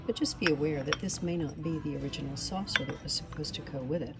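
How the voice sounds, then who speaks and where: A middle-aged woman hosting a vlog, explaining in a gentle, measured way, sounding nasal from a cold. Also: deep voice, very noisy. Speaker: vlog host. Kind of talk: casual instructional vlog. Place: antique mall, indoors.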